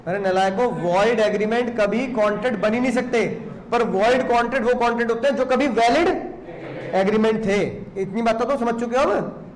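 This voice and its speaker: A man with a very high voice teaches a law class as a classroom lecture, speaking fairly quickly. He teases and scolds his students, firing off lots of rhetorical questions.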